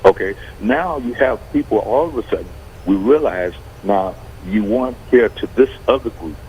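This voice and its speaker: Low-voiced man asking measured questions. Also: a little mellow, a little hiss or hum, low-quality recording. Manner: poses questions in measured, deliberate phrases. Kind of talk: radio talk show discussion.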